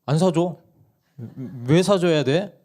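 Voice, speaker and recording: Guy acting out a tough no-nonsense mom, hoarse and raised pitch, short and dismissive. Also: slow pace. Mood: curt, dismissive. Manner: curt, flatly dismissive. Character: blunt, no-nonsense mother refusing gifts.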